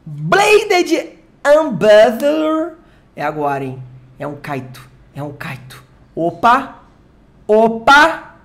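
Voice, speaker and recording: An excitable, slangy streamer from Brazil opening card packs live, who swears and jokes with chat. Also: mid-range voice, slow, long pauses. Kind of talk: live unboxing chat with viewers.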